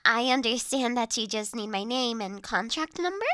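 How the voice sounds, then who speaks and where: A woman playing a refined, poised young noblewoman in an audio roleplay, speaking formally and kindly with authority and soft trailing phrase endings. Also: on the high side, lively intonation, moderate pace, dry recording, clean studio sound. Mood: polite, businesslike. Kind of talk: scripted audio roleplay addressed to listener.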